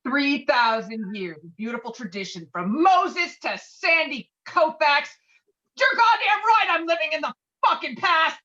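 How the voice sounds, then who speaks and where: Woman playing a high-pitched, hot-tempered, stubborn war veteran. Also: animated, unhurried, bright, forceful tone, lo-fi sound, heavily acted. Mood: indignant. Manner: profane, emphatic, combative. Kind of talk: virtual table read of a film script. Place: remote video call.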